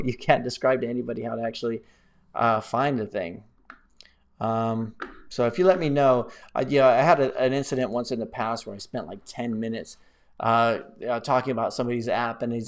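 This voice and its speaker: A man hosting a casual live stream, chatting in a rambling, playful, animated way as he reads out and answers viewer comments. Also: mid-range voice. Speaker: live-stream host, app developer.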